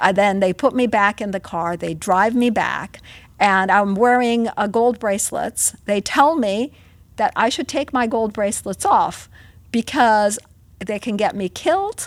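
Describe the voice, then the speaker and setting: With a Turkish accent, this speaker goes at a fairly slow pace with ordinary pitch variation. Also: woman. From Turkey. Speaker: venture capitalist and author. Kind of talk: interview before live audience.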